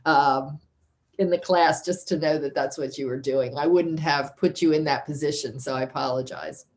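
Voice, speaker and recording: Over a video call picked up by her computer mic, a female instructor winds down her online class in a relaxed way. Her voice is deep and steady, her pace moderate, and she chats, apologizes, and laughs a lot.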